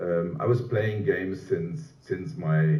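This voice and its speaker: A man speaks at a fairly slow pace with vocal fry and very wide pitch swings. Room echo is audible. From Germany, North Rhine-Westphalia. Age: 60s. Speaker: retired board game designer. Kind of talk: online interview.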